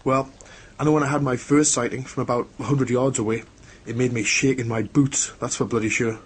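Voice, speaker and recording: A man playing an excitable Bigfoot research team member in a radio drama, speaking emphatically. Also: mid-range voice, brisk, slightly rough, close to an everyday voice. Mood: impressed. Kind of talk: amateur radio drama dialogue.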